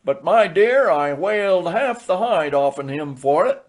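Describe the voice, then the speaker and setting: A narrator puts on a genial, tipsy old country elder with a rural Southern drawl. He is folksy and emphatic, pitched high and loud, straight out of a storybook. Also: lively intonation, measured pace. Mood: boisterous. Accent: rural American South. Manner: folksy, emphatic, dialect speech.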